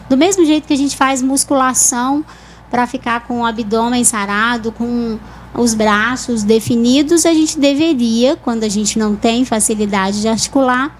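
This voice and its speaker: A woman with a Brazilian accent, a speech therapist calmly explaining voice and articulation in a TV interview. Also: on the high side, slight background noise, low-quality recording. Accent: Brazilian Portuguese. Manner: calm, didactic explanations with examples.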